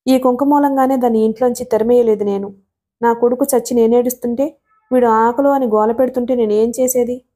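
A woman's voice: on the high side, steady tone, a little fast, warm tone, natural voice. A woman voicing a bitter old village grandmother who scolds and snaps. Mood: scolding. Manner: scolding, snapping.

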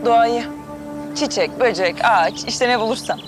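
An actress playing an earnest, excitable young woman, a little sister who loves to draw. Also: a little high, moderate pace, close to an everyday voice. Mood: chatty. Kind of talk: TV drama acting. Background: music.

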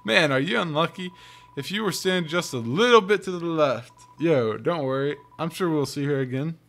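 A man's voice: fairly high pitch, moderate pace, fairly bright tone. Man voicing an eager, starstruck monster kid. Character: excitable young monster kid, starstruck and chatty. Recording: game music behind the voice.

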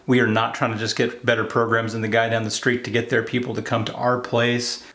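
A man in his forties delivers a sermon-like exhortation in a medium-pitched voice. He is earnest and emphatic, often restating a phrase to press it home. He speaks directly to the camera from a study. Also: level tone, brisk, fairly bright tone. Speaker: preacher, video host. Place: home study with bookshelves, indoors.

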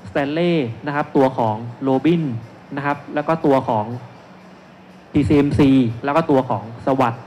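Through a muffled recording of a noisy live event, a securities analyst in his thirties speaks unhurriedly into a handheld mic on a panel at an indoor shopping mall expo stage. His voice is fairly high and darkish with fairly even intonation, and his investment seminar talk proceeds step by step, full of polite particles.

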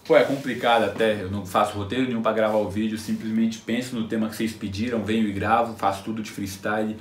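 Guy from talking freestyle tips, slangy and animated, echoey room, mic kinda far. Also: fairly low pitch, quick pace. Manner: animated, slangy, teaching with quoted rhyme examples. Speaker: freestyle rap MC giving tips. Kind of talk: unscripted casual talk to camera. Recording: roomy echo, off-mic with faint noise.

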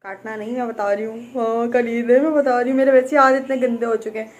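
On the high side and steady, this young woman talks fast, and the highs are cut off in the noisy home phone recording. She vlogs casually around her house and up on the rooftop, playfully chatting with her pets and family.

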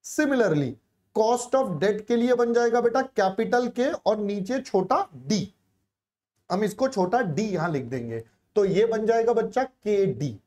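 A man's voice: high voice, lively intonation, slow, a little mellow. A man teaching a live online class, coaxing students, repeating phrases and mixing in English.

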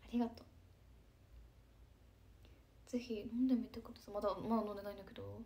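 A young woman, chatting casually on a live stream, breezy and talkative with soft asides. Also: mid-range voice, level tone, fast talker, a little hiss or hum. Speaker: idol livestreamer reading chat comments.

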